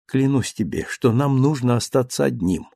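A man doing a gentle, earnest young husband. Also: mid-range voice, lively intonation, normal speed, creaky, no echo, studio quality. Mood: gentle, firm. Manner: soft, pleading, restrained.

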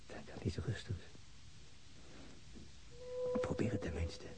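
A man's voice: extremely high pitch, wildly swooping pitch, takes it slowly, in a whisper, exaggerated voice, poor audio. An actor playing a wounded, dazed policeman murmuring weakly to himself in a radio drama monologue, as if near death. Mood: weary, despairing. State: weak, whispering, near death.

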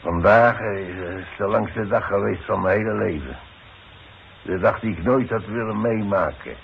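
An actor playing a proud, grumbling old demolition worker forced into retirement, gruff and halting, in a 1960s radio play. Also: male voice, lowish voice. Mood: bitter. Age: older. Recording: muffled, noisy 1960s radio broadcast.

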